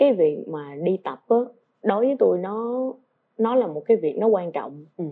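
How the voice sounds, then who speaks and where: A woman with a medium pitch talks at a fairly slow pace, her pitch swinging very widely. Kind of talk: casual interview chat.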